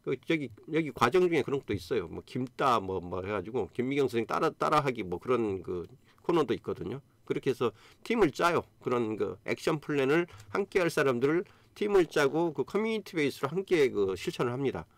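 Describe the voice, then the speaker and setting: A man in his fifties hosts a casual YouTube live stream, speaking earnestly and encouragingly with lots of fillers. His medium-pitched voice swings widely in pitch, he talks fairly quickly, and the recording is dry.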